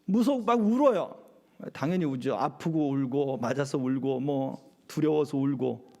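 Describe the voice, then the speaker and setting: A man's voice: medium pitch, unhurried, creaky, darkish tone. A middle-aged male pastor preaching a sermon at a church service, often asking the congregation rhetorical questions.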